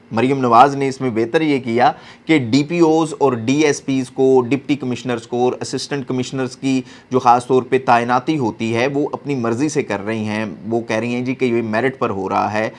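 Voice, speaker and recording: Male commentator, Pakistani accent, medium pitch, earnest explanatory delivery with occasional English terms. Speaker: political commentator.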